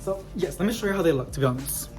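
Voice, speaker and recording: A man's voice: on the high side, lively intonation, very fast, darkish tone, faint music behind. A young man hosting a casual, chatty vlog in a bubbly, gushing sorority-girl manner. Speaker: host of a plant haul vlog. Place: at home, indoors.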